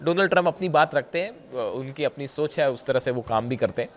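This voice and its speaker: A hoarse man giving conversational news commentary straight to his viewers, pausing often and pointing things out as he explains. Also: medium pitch, animated. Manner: conversational, often says "dekhiye", frequent filler pauses.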